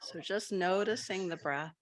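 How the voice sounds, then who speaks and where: A woman leading a group meditation over a video call, talking gently with many fillers and restarts. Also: fairly low pitch, unhurried. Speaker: meditation guide.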